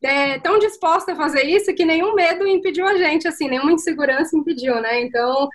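A woman in her thirties from Brazil, a guest on a video call interview, telling her story slowly with pauses and fillers, heard through a laptop microphone in a small room at home. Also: high voice. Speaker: guest, former nurse. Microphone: laptop webcam on video call.

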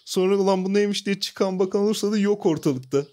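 Podcast ortak sunucusu, ince sesli bir erkek; gündelik sohbette komik anılarını anlatıyor, sık sık gülüyor. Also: male voice, sits high, fast, a little mellow. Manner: storytelling, laughs often. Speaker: podcast co-host. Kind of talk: casual chat, funny anecdote.

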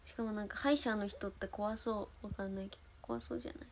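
Young osaka woman rambling on her stream, kansai accent, keeps thanking viewers, drops soft under her breath now and then, close mic. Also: mid-range voice, fairly even intonation, quick pace, a little hiss or hum. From Osaka, Japan. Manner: chatty, thanks viewers between stories, soft murmured asides. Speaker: idol livestream host. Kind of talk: casual livestream chat.

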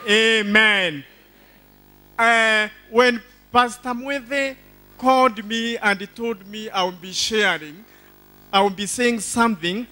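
High-pitched, forceful older Kenyan man preaching. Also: steady tone, slow pace. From Embu County, Kenya. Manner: exuberant, declamatory, repeats phrases for emphasis. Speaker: church testimony speaker. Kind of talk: church testimony, preaching to a congregation. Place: large church hall stage. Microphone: handheld microphone.

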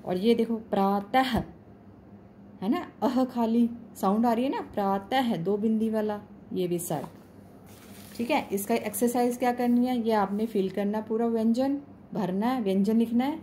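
A woman's voice: a little high, unhurried, mellow, a little hiss or hum. A woman teacher patiently explaining a school lesson to young children, often asking them questions and repeating herself. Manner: patient, repeats "ठीक है" and asks the class questions.

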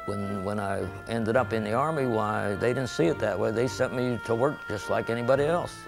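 An older man from western Pennsylvania, seated in a studio, recounting his memories in a measured, halting way with many pauses. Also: fairly low pitch, gravelly, over music. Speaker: veteran interviewee. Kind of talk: recorded oral history interview. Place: indoor studio with painted backdrop.

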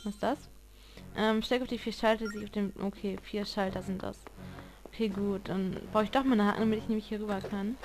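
A woman's voice: medium pitch, steady tone, fairly quick, over music, rough recording. A woman giving casual, chatty gameplay commentary, swearing at the game as she plays. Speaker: let's player.

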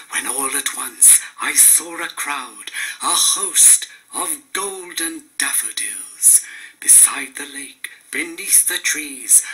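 A man with a mid-pitched, very bright and sharp voice recites verse. He takes it extremely slowly, lingering over each short phrase. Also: rough recording. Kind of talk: poetry recitation.

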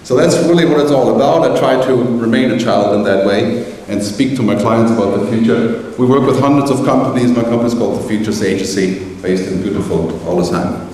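A man's voice: mid-range voice, fairly quick, few pauses, recorded from a distance. Man giving a keynote in an echoey hall. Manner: animated, gesturing, joking asides. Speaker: keynote speaker. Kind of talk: conference keynote. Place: large conference hall. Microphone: headset mic.

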